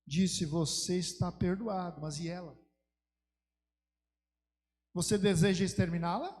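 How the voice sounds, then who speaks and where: A man's voice: high voice, unhurried, a little mellow. A male pastor delivering a sermon, retelling a story with fervent, building emphasis. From Brazil. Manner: fervent storytelling preaching that swells into emphatic exhortation. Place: church sanctuary. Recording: long church hall reverb.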